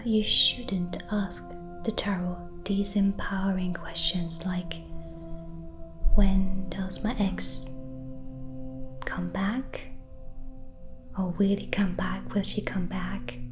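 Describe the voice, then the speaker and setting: A woman playing a gentle, chatty white witch from the forest in a soft, breathy, unhurried ASMR whisper. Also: mid-range voice, lightly acted.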